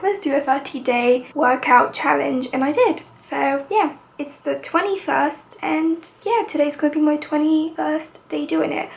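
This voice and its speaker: Chatty young woman, croaky and whispery. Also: high voice. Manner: chatty and rambling, often drops to a whisper. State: slightly croaky voice. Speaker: vlogger. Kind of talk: casual chat. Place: at home.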